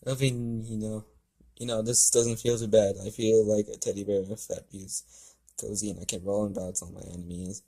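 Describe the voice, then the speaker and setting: A man's voice: on the low side, flat delivery, normal speed, warm tone, low-quality recording. A man voicing a gluttonous, grumpy giant young girl with a blunt manner in an amateur story reading. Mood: contented.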